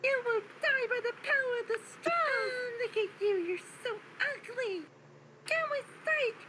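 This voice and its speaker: A man's voice: very high voice, a little slow, pushed and bright, voice pushed up, full character voice. A man voicing a cute, whiny little girl character in a fan game, sing-song and teary, in a noisy recording. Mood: cute menace.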